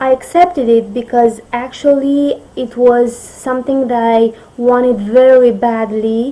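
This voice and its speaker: A woman with a non-native accent speaks at a high pitch in monotone, flat intonation. Noticeable background noise runs under her voice. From Romania, Bucharest. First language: Romanian. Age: 20s. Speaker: vlogger sharing eating disorder story. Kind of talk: personal testimony vlog. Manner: halting, with fillers and repeats.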